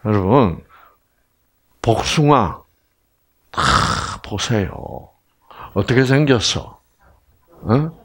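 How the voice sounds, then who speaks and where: Animated older man giving a health lecture. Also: medium pitch, drawn-out words, pauses often, husky. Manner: animated, swings between exclaiming and hushed asides. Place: large indoor lecture hall with stage.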